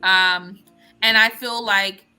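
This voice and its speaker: Woman, US-born panel guest, emphatic and frank, bright forceful tone. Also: mid-range voice, fairly even intonation, takes it slowly, clean tone, soft background music, rough recording. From United States. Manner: emphatic, frank, restarts often. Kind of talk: casual discussion.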